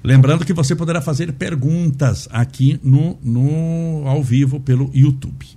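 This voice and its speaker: A man's voice: fairly high pitch, unhurried, dark tone. A man with a Brazilian accent hosting a podcast in a conversational interview style. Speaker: podcast host.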